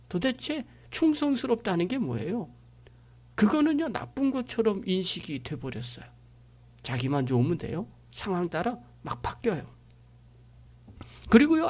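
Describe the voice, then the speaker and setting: A woman pastor delivering a sermon, driving her points home with frequent rhetorical questions. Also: on the high side.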